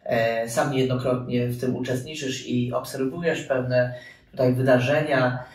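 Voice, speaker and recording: A man's voice: medium pitch, fairly even intonation, moderate pace. A man in his thirties hosting a webinar interview, asking questions and speaking to the viewers directly, with some fillers. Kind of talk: hosted interview. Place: room with armchairs and radiator, indoors. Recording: echoey room, mic at a distance.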